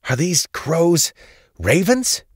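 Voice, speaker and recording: A man's voice: high-pitched, moderate pace, dry recording, studio quality, voice pushed up, natural voice. A man voicing a bold, brash female vanguard warrior with a commanding manner in a fantasy audiobook. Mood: exasperated. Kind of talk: dramatic fantasy audiobook character.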